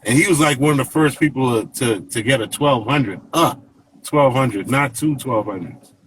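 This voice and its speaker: A man's voice: mid-range voice, normal speed, slight background noise, poor audio. Jamaican-born man reminiscing, laid-back. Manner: relaxed, rambling, many fillers and "you know what I mean". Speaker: guest DJ. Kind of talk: casual interview storytelling.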